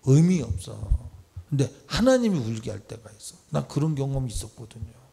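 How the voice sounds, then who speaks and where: Gravelly, mellow-voiced man preaching a sermon. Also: medium pitch, sing-song, fairly quick. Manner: conversational preaching, swinging from loud exhortation to soft asides; acts out quoted speech and asks the congregation questions. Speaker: pastor. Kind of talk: midweek church sermon. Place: church service.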